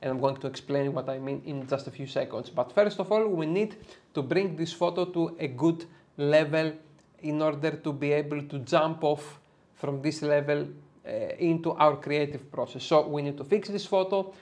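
A man's voice: on the high side, normal speed. A man in his thirties with a Greek accent, chatting his way step by step through a photo editing tutorial from a home studio. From Greece. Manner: lively, chatty, explains step by step with filler uhs. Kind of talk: screen-recorded software tutorial. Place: dim home studio, indoors.

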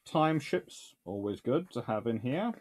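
A man's voice: medium pitch, expressive, a little slow. A British man in his thirties, a naval historian host, chatting casually from a book-lined home study with dry, wry asides and sudden bursts of enthusiasm. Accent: British English. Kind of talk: casual chat reviewing books and answering questions.

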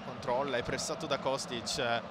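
A man's voice: mid-range voice, little pitch movement, normal speed. A man with an Italian accent giving live football match commentary. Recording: commentary over stadium noise.

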